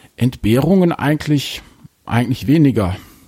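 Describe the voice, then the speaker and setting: Using a plain, everyday voice, a man speaks at a fairly quick pace with a fairly high pitch. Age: 50s. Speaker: personal finance blogger. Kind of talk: casual interview.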